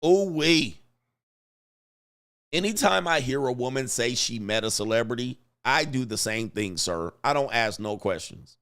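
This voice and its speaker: A man's voice: medium pitch, a bit bright, clear, resonant tone. A middle-aged man from Southern California, hosting a casual livestream and reading viewer super chats with laughing, mocking asides.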